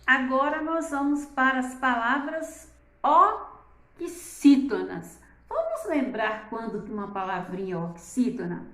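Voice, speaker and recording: A woman teacher giving a grammar lesson, reading words slowly and stretching their stressed syllables, often asking "né?". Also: sits high, big pitch swings, a bit bright, roomy sound. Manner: uses the diminutive "palavrinha" and "né?". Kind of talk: slow, careful grammar lesson.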